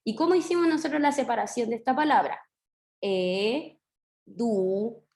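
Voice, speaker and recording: Over a video call, a woman with a Chilean accent teaches an online primary class in a high, lively, rapid-fire voice that is creaky and darkish, with reverberation. She is patient and encouraging, stretching out syllables as she explains.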